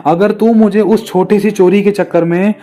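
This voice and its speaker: A man's voice: high voice, fairly even intonation, normal speed, warm tone, natural voice. A man voicing a condemned young man who bitterly blames his mother in a sermon story. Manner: blaming, repetitive pleading.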